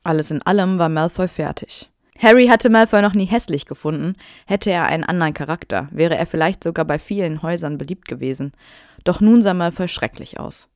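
A woman's voice: fairly low pitch, fairly quick, no echo, studio quality. A woman co-hosting a podcast, reading fan fiction aloud with giggly, playful asides. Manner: giggly, playful asides between read passages.

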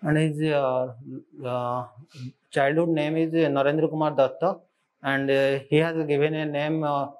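A young man with an Odia Indian accent answers formally as a job candidate. His voice is slightly high, and he speaks haltingly and deferentially, with frequent hesitations. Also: a little mellow, low-quality recording. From Odisha, India. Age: young adult. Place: indoor studio, seated. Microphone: lapel.

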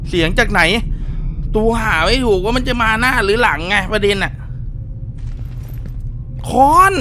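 A man hosting a casual let's-play, talking to himself as he plays, with sudden loud exclamations. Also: high voice, a little fast, a little hiss or hum. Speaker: gaming channel host.

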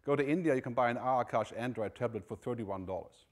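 A man from Germany speaks from the stage of a large hall, giving a keynote at an ordinary middle pitch. He keeps it conversational, dropping in "you know" and "right?" as he goes. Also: fast talker. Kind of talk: conference keynote talk.

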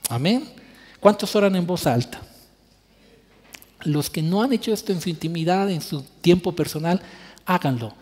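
A man's voice: high-pitched, lively intonation, normal speed, long pauses, a little mellow. A man preaching a sermon as pastor, earnest, stretching key words for emphasis. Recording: church hall reverb.

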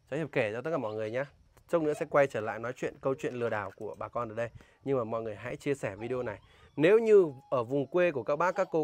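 A man with a northern Vietnamese accent speaking in a casual vlog. He talks indignantly and emphatically, firing pointed questions, in a voice of middling pitch. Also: dry recording. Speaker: vlogger warning villagers about a scam. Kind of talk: casual outdoor vlog talk, interviewing a local.

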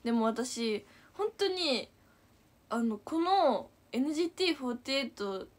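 A young woman in her twenties with a Kansai accent, telling a story to viewers in an animated, giggly way. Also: high voice, normal speed. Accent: Kansai Japanese. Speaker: idol livestreamer.

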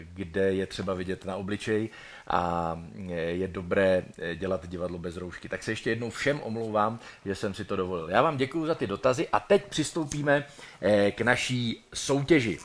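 A man, an actor, hosting a playful live stream from a theatre, chatty and hesitant, with many fillers. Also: deep voice. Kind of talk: casual live-stream chat.

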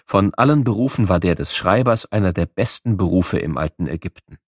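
A man's voice: sits low, expressive, fairly quick, no echo, clean studio sound. A man with a standard German accent narrating scripted educational material for children in an explanatory, storytelling manner. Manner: explanatory, storytelling, addressing listeners with questions.

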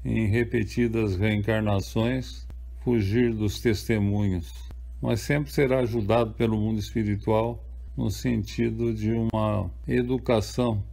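An older Brazilian man speaks in a calm, explanatory way with a gravelly, creaky edge to his voice. His pitch sits in an ordinary middle range for a man, and he answers questions as an author. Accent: Brazilian Portuguese. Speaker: author interviewed. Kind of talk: measured spoken answers.

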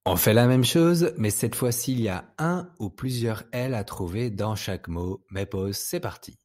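A man with a French accent teaching young children to read, saying each sound slowly and patiently. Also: on the low side, expressive, darkish tone. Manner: patient, speaks words slowly and distinctly. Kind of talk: slow, clear reading lesson for young children.

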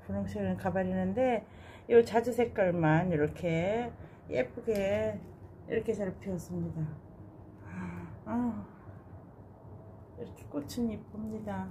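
A woman with a mellow, warm voice talks in a relaxed, casual way as she shows her balcony plants, sighing softly in admiration. A faint hum of ambient noise sits behind her. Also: medium pitch, a little slow, long pauses. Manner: gushing and admiring, with soft sighs. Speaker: gardening vlogger. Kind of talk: casual narration while showing plants. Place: home balcony garden.

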